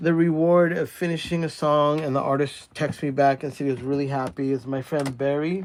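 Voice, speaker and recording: A man talks at a fairly quick pace in an unremarkable speaking voice with a fairly high pitch. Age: 50s. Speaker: ribbon microphone repairer and recording engineer. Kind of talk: casual live stream chat. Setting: studio. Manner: rambling, conversational with fillers.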